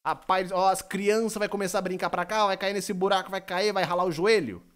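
A young Brazilian man with a Brazilian Portuguese accent and a fairly high voice chats loosely on a live stream. He jokes, rambles and answers his chat aloud into a desk microphone in a small room. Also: steady tone, a little fast, fairly bright tone. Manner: playful, joking, reads chat aloud, rambling. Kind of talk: casual live-stream chat while gaming.

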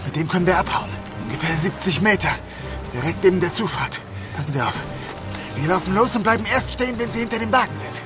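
An actor playing a cool, commanding police detective in a crime radio play, with a dry, wry manner. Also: male voice, high-pitched, animated, quick pace, music in the background. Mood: urgent, commanding.

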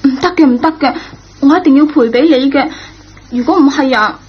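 Woman acting schoolgirl, high voice, earnest, pleading, radio drama, muffled lo-fi recording. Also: a little fast, slight background noise, natural voice. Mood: insistent, pleading. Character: impulsive, remorseful, good-hearted schoolgirl. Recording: dull, lo-fi old radio recording.

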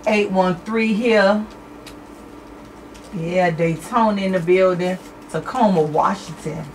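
A woman hosting a live radio show, reading out listener shout-outs with lively, excited greetings. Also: fairly low pitch, slow, distant mic, a little hiss or hum.

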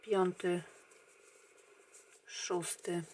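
A woman guiding viewers through a crochet pattern step by step, counting stitches aloud in a calm, quiet way that often trails off. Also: fairly low pitch, extremely slow, slight background noise. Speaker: crochet tutorial host.

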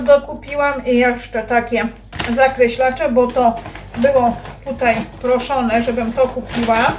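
A woman's voice: fairly high pitch, a little hiss or hum. A mother in her thirties chatting casually to camera in a family vlog, rambling and talking straight to her viewers.

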